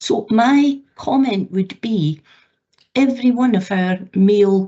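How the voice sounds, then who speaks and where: A somewhat breathy woman with a medium pitch and lively intonation. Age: 60s. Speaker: local councillor. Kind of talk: committee meeting remarks. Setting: council committee meeting.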